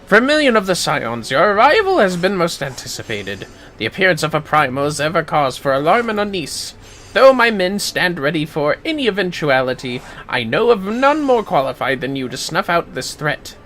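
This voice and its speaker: A formal military officer from a fantasy game, read out by a man. The phrasing is stately and archaic. The voice is slightly high and moves freely in pitch. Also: sing-song, normal speed, bright, forceful tone, slight background noise. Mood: formal, grave.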